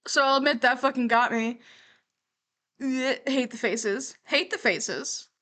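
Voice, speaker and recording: A woman's voice: high voice, a little slow, pushed and bright. A woman livestreamer giving casual, candid reaction commentary, musing aloud as she goes.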